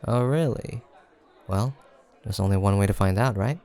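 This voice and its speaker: A man acting a playful, creaky-voiced teasing guy friend. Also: on the low side, moderate pace, mellow, some chatter behind, close to an everyday voice. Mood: flirty, confident. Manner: playful teasing, frequent chuckles, casual banter. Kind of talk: improvised audio roleplay addressed to the listener.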